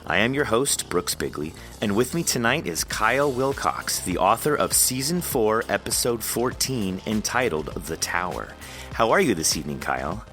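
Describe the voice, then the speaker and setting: Deep guy hosting a podcast, bright forceful tone, chatty and laughs a lot. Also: expressive, normal speed, faint music behind. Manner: friendly, rambling, laughs often. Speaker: podcast host. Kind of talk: casual interview chat.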